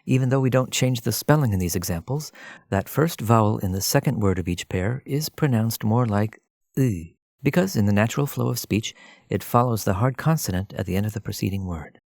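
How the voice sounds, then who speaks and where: A man narrating a scripted language lesson as a teacher, explaining in a measured way and addressing the listener directly. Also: lowish voice, animated, vocal fry, a little mellow, dry recording, clean studio sound.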